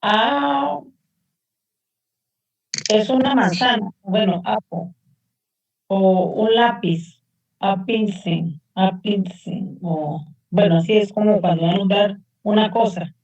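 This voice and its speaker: A woman's voice: mid-range voice, takes it slowly, vocal fry, pauses often, a little mellow. A female student hesitantly answering the teacher's question with examples. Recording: muffled lo-fi sound.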